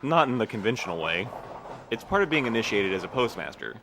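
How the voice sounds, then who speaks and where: Actor as guarded, weary man with bright low voice. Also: big pitch swings, quick pace, slight background noise. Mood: measured, thoughtful. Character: guarded, weary postmaster man, evasive but courteous. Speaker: actor in a fiction podcast. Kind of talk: audio drama acting.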